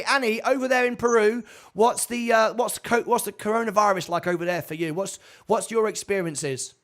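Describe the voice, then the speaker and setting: A chatty male host running a live call-in show, talking in a high, light voice. He rattles on, repeats phrases and trips over his words as he keeps things moving. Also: a bit bright. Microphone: video call.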